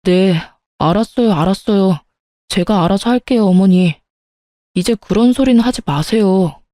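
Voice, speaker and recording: A woman's voice: mid-range voice, normal speed, dark tone, dry recording, close to an everyday voice. A woman reading as a meek schoolteacher husband. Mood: pleading. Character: husband, a schoolteacher who gives in to his mother.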